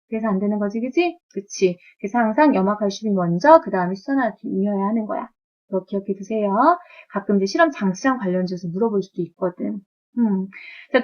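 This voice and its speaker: A woman's voice: mid-range voice, highs cut off. A woman chemistry teacher giving a live lecture to students in a classroom, chatty and always checking in with them.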